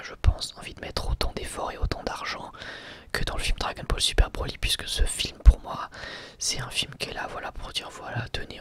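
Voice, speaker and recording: Whispering man, casual ASMR. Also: pushed and bright. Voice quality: breathy, unvoiced whisper. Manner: casual, hesitant, colloquial. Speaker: ASMR video creator giving film opinions.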